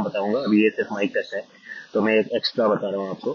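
A man talks with a slightly husky edge.

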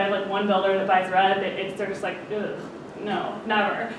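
A woman is speaking. Audible room echo and noticeable background noise surround her voice. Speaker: sales business owner. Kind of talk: conference talk. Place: hall. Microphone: camera far.

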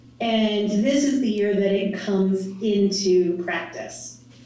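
Over noticeable background noise, a woman speaks at medium pitch. Her pace is very slow. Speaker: school superintendent. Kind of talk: meeting presentation.

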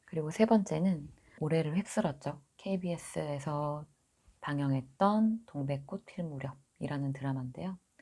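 Against a quiet background, a somewhat breathy voice with a dark, mellow tone moves very slowly, with ordinary pitch variation. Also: woman, very deep, low pitch for a woman. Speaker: YouTube vlogger. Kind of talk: casual vlog talk to camera. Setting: cold room at home. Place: home room. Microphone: lapel.

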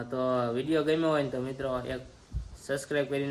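The man has an unremarkable speaking voice, fairly high in pitch. His intonation is fairly even. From Gujarat, Surendranagar district. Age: young. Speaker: vlogger. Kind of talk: casual vlog Q&A. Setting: outdoors in front of his house.

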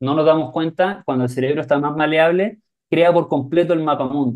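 A man talks at a moderate pace with fairly even intonation against a quiet background. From Chile. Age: 20s. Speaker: spiritual teacher. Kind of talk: interview. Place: home room. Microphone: earbuds.

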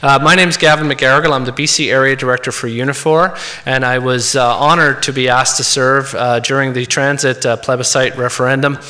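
At a fairly quick pace and with hardly any pauses, a man speaks in a monotone, flat intonation. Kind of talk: public speech. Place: hall.

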